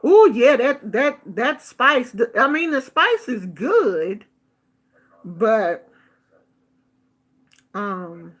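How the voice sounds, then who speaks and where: A middle-aged woman from the United States telling a casual story in a chatty, expressive way, acting out the people she quotes. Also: fairly high pitch, drawn-out words, long pauses. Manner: chatty, expressive, animated quoting of others. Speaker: vlogger. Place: Bay Area.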